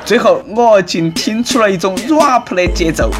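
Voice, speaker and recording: A man's voice: high-pitched, expressive, normal speed, over loud music. Sarcastic Sichuanese man with a raised voice. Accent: Nanchong Sichuanese. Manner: sarcastic, mocking. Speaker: host. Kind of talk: comic commentary.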